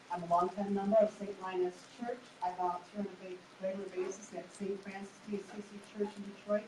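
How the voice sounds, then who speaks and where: Woman in her fifties listing her résumé. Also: mid-range voice. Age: 50s. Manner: runs through a long résumé list, brisk and matter-of-fact. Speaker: council candidate. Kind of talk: prepared opening statement. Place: public meeting hall. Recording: echoey hall, distant mic, background noise.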